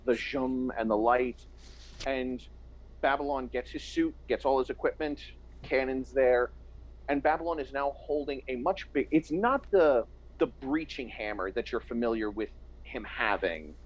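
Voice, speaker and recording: A man narrating a tabletop game as game master, slowing down for descriptive passages. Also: mid-range voice, dull audio.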